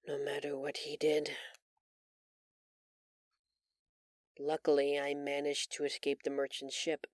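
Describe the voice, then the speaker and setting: A woman playing a gentle, empathetic female alien in an intimate audio roleplay, speaking earnestly and hesitantly with emotional pauses. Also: sits low, dry recording, clean studio sound. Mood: subdued, pained. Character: gentle, remorseful female alien, empathetic, recounting her escape from captivity.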